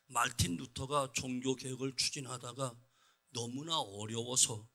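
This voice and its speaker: A middle-aged man, a senior pastor, preaching a sermon in church, moving between quiet low asides and loud, urgent appeals to the congregation. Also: creaky. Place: church sanctuary.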